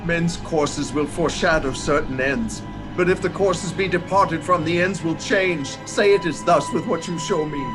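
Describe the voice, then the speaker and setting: An actor playing an old miser, repentant and pleading, in theatrical, emotional radio drama style. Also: male voice, on the high side, moderate pace, music in the background, natural voice. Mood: anxious questioning.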